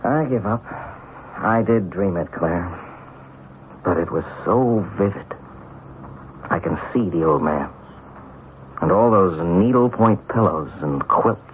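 An actor playing an earnest, troubled and insistent husband in a 1970s radio drama. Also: male voice, sits low, lively intonation, slow pace, pauses often. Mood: resigned. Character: earnest, troubled husband haunted by a past mistake. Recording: tinny old radio recording, faint noise.

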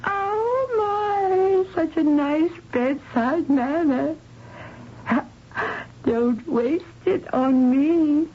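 High, fluttery, playful old lady. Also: drawn-out words. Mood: playful, kindly. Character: elderly woman, playful, kindly, self-deprecating. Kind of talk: 1970s radio drama acting. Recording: muffled, noisy old radio recording.

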